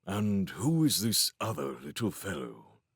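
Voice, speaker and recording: A man's voice: rumbling low, very animated, slow, fairly bright tone, no room sound, studio quality, voice pushed down, full character voice. A man voicing a genial, hearty king who is kindly to children in an audiobook. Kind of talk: audiobook character voice.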